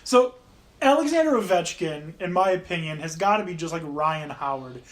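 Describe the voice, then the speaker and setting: A young man co-hosting a sports podcast, joking and telling animated stories in casual chat. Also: on the high side, moderate pace, a little hiss or hum. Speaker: podcast co-host.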